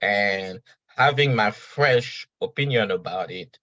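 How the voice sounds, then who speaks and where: Deep-voiced man. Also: lively intonation, slow pace, bright, forceful tone, dry recording, highs cut off. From Senegal. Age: 30s. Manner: reflective, earnest, talks at an uneven pace. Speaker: podcast guest. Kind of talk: casual conversational interview.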